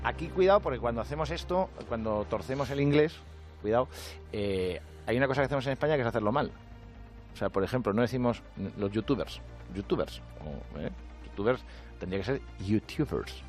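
A man's voice: mid-range voice, lively intonation, quick pace, faint music behind. A man from Spain doing a sarcastic comic monologue on radio with a Spanish accent. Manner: sarcastic, jokey, mimics other voices. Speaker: comedian.

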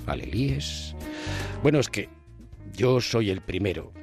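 A man's voice: on the low side, sing-song, slow, music in the background. A man reading a scripted radio column in an ironic, dryly humorous manner. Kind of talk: scripted opinion column read on air.

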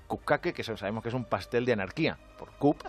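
A man from Spain with a Spanish accent, delivering an animated, jokey comic monologue on a radio show. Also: medium pitch, fairly quick, soft background music. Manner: animated, jokey, acts out quoted voices. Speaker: comedian with a radio segment. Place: radio studio.

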